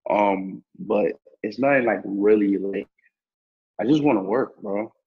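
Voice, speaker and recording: Young New York guy, twenties, low and husky, slangy casual chat, muffled audio. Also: measured pace. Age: 20s. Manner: slangy, profane, loose and laid-back. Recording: muffled lo-fi sound.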